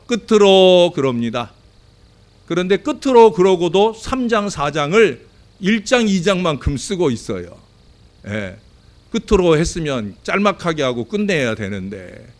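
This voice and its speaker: A middle-aged male pastor delivers a Sunday sermon in an earnest preaching style. His voice sits a little high for a man, and he builds to emphatic, louder peaks before dropping back down. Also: sing-song, moderate pace. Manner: earnest preaching that swells to emphatic peaks, with shouted acted quotes.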